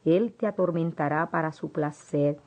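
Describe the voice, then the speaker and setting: A woman's voice: deep voice, normal speed. A woman reading the lines of sarcastic demon jailers in a dull, lo-fi audiobook recording. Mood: mocking. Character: jeering pair of demon jailers.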